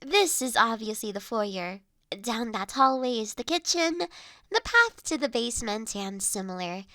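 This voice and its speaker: A high, bright voice, recorded close and dry, for a gentle young noblewoman, acted by a woman in an intimate roleplay audio drama. She is courteous and doting, choosing formal, slightly old-fashioned words and taking her time as she looks after the listener. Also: expressive, a little slow, no room sound, heavily acted. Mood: welcoming. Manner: soft-spoken, formal old-fashioned phrasing, solicitous.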